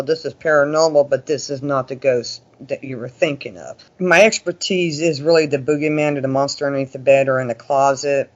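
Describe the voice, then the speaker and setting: A man talking casually as an interview guest, telling stories in a chatty, folksy way and often voicing quoted remarks. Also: fairly high pitch. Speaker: interview guest, paranormal investigator. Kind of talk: casual conversational storytelling. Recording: dull lo-fi audio.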